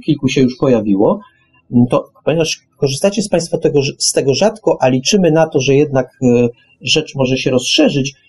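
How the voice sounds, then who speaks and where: A man of medium pitch with a somewhat rough, husky voice co-hosts a radio show. He talks casually and haltingly, often repeating a phrase before carrying on. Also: a little mellow.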